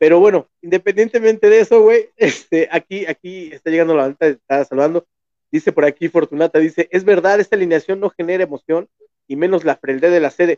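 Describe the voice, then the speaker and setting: A fairly quick pace in a Mexican accent. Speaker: podcast co-host. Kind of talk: casual chat. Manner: animated.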